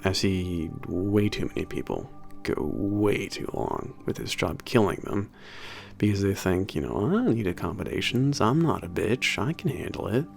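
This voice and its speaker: A man playing a big, burly, soft-hearted werewolf maintenance trainer in an ASMR roleplay, talking to the listener in a halting, casual, sweary and earnest way. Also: deep voice, sing-song, vocal fry, soft background music, full character voice. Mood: frustrated, earnest. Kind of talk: ASMR roleplay audio drama, spoken to the listener.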